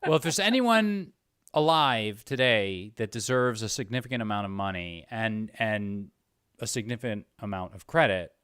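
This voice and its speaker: A man hosts a casual interview show in a lowish voice. He talks earnestly and with open admiration for his guest. The sound is dry and close, with little room to it. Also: expressive, moderate pace, fairly bright tone, clean tone, no room sound. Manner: earnest, effusive praise of guest. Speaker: show host.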